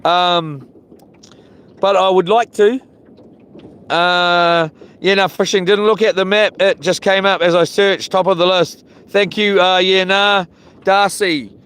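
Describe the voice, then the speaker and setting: A man's voice: high-pitched, steady tone, slow, fairly bright tone. A man with a broad New Zealand accent, chatting casually and rambling along as he hosts a fishing livestream from a boat. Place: outdoors on a small boat. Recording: clear outdoor boat and water noise.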